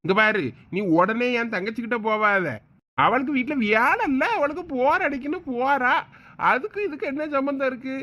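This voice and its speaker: A man playing a soft-hearted village father who coaxes and defends his daughter. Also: very high voice, moderate pace. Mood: coaxing. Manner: coaxing, pleading. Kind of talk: comedy skit acting.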